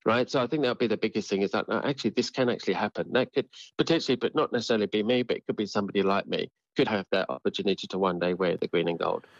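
A man who runs sport programs speaks quickly in a news clip, restarting often. The audio is muffled and dull, and dry. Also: fairly low pitch, dry recording.

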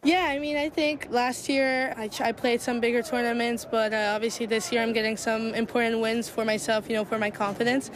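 A woman's voice: a little high, level tone, brisk, hardly any pauses. An eighteen-year-old woman from Italy, a tennis player, answering upbeat with frequent fillers. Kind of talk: casual interview. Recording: outdoor street noise.

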